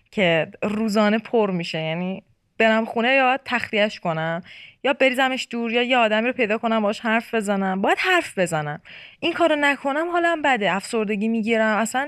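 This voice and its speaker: With a normal speaking voice, a woman talks at a fairly quick pace. Her pitch is fairly high and her intonation lively. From Iran, Tehran. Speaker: podcast guest sharing life story. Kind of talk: casual interview conversation.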